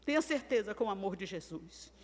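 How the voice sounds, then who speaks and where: An older woman preaching a sermon, telling homely stories in a chatty way and swinging between loud and quiet. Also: mid-range voice, lively intonation, brisk, in a large hall. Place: church.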